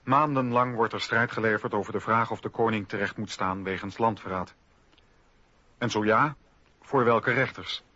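Bright, crisp-toned male documentary narrator. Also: on the low side, steady tone, normal speed. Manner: factual, declarative. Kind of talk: scripted historical radio documentary narration. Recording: dull radio recording, faint noise.

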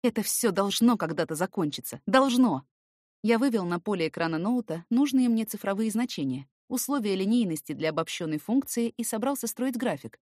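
A woman narrates a first-person audiobook story. Her voice sits at a medium pitch with expressive delivery, and the recording is dry, free of room echo.

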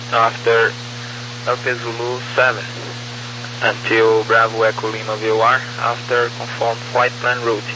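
A man working as a controller, reading out a route clearance piece by piece in a halting way over aviation radio. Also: mid-range voice. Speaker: air traffic controller giving clearance. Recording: humming, noisy aviation radio.

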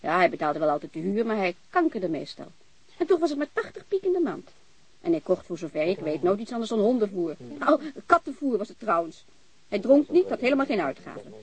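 An actress playing a blunt, warm-hearted, talkative landlady in a naturalistic radio drama, informal and frank. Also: mid-range voice, very animated, a little fast, slightly rough. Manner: informal, chatty, frank, mild swearing.

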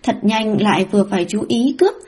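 A woman narrating a web novel audiobook in a lively storytelling manner. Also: medium pitch, quick pace, slightly rough.

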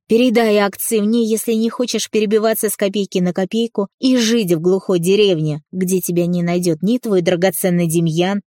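A woman voicing a domineering middle-aged father, a rich businessman, who snarls and shouts threats in an audiobook reading. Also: lowish voice, no echo, studio quality.

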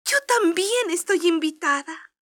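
A woman voicing a gentle, humble young girl with a wistful temper on a children's storybook record. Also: very high-pitched, expressive, measured pace, pitched above the performer's own voice, heavily acted. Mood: wistful, dejected.

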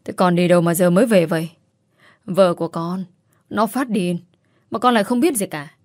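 A woman's voice: on the low side, normal speed, a little mellow, dry recording, clean studio sound, natural voice. A woman voicing a stubborn, domineering mother-in-law who nags insistently. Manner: nagging, insistent.

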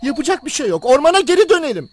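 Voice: high voice, very animated, rapid-fire, a little mellow, a little hiss or hum. An actor voicing a resigned but plucky farm rooster who declaims his words in a fairy-tale cartoon.

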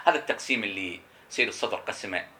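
Bright, emphatic male seminary teacher. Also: fairly low pitch, slight background noise. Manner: emphatic, explaining with rhetorical questions; repeats key terms slowly for emphasis. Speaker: teacher of Islamic jurisprudence. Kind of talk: seminary lecture.

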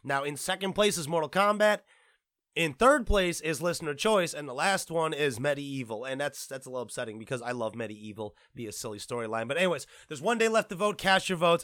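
A man hosting a podcast, talking in a casual, rambling and excitable way, tripping over his words and swearing now and then. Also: on the high side, no room sound, studio quality. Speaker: podcast host and producer.

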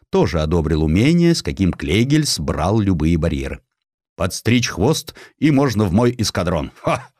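A man narrating a historical audiobook in an expressive, theatrical and ironic manner. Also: low-pitched, dry recording, clean studio sound. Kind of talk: expressive scripted literary narration of historical satire.

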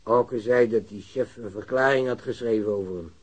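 A man's voice: mid-range voice, normal speed, husky, natural voice. A man acting a worried, aggrieved working-class grandfather in a radio drama, plain-spoken and grumbling. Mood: bitter. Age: older.

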